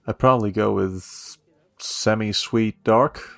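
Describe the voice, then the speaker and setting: An actor playing a friendly, protective young café worker in a romance audio roleplay, curious and admiring, gently teasing with hesitant pauses. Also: male voice, on the low side, steady tone, vocal fry, dry recording, full character voice. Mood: friendly, helpful. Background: soft guitar music.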